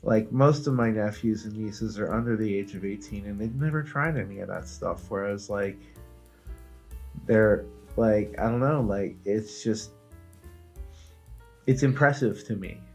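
A man's voice: fairly low pitch, unhurried, vocal fry, faint music behind. A middle-aged man co-hosting a comedy podcast, rambling in casual chat with many fillers and restarts. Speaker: podcast co-host.

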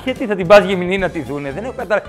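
Animated Greek stand-up comedian, raised voice. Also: male voice, high-pitched, soft background music. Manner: animated, acts out characters in quick voices.

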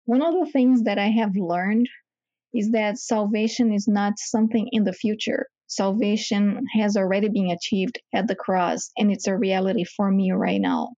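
Enthusiastic woman, mellow dry voice. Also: medium pitch, moderate pace, no room sound, muffled recording. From Brazil. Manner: warmly enthusiastic, emphatic. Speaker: church member giving a testimony. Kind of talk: personal faith testimony.

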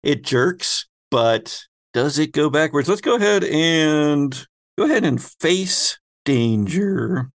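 A man's voice: a little high, animated, slow, no echo, clean studio sound. A man speaking as game master, narrating a tabletop roleplaying game in a conversational way and directing the players. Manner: conversational, explains by addressing players as their characters.

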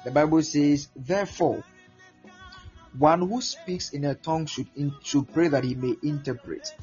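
A man's voice: on the high side, measured pace. Ghanaian man teaching a sermon. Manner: repeats words, animated, acts out prayers and voices. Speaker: preacher. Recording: muffled lo-fi with faint music.

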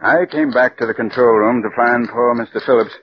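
A man's voice: medium pitch, fairly quick, slight background noise, lightly acted. An actor playing a chatty male factory owner. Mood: friendly. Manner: chatty, sympathetic. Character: genial middle-aged male factory owner. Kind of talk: 1940s radio acting. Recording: dull 1940s radio broadcast.

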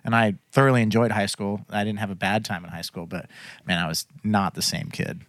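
A musician in his mid-twenties, from Florida, with a fairly low voice. He tells stories about himself with easy self-mockery and frequent laughter. The recording is dry and close. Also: fairly even intonation, brisk, fairly bright tone, dry recording. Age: 20s. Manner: self-deprecating, laughs often. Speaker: band member. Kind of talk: casual interview.

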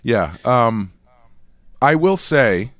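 A man's voice: mid-range voice, very animated, drawn-out words, no echo. A man co-hosting a podcast in casual chat, hesitant and often restarting his sentences. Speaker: podcast co-host.

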